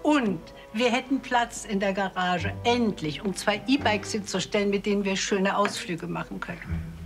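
A woman's voice: mid-range voice, moderate pace, faint music behind, lightly acted. A woman acting as an affectionate, persuasive older wife in a naturalistic TV drama, chatty and coaxing.

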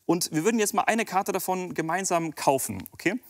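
A relaxed German-speaking magician. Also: male voice, high-pitched, brisk. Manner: relaxed, self-deprecating, explaining step by step. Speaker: magician guest. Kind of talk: casual TV studio chat with a card trick.

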